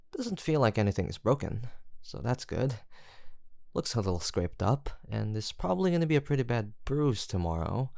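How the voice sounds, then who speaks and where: A man voicing a gentle, protective man who talks softly and teasingly to a frightened stray he has rescued, in a close audio roleplay. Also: fairly low pitch, vocal fry, no room sound. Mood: tender. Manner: soft teasing, coaxing and reassuring.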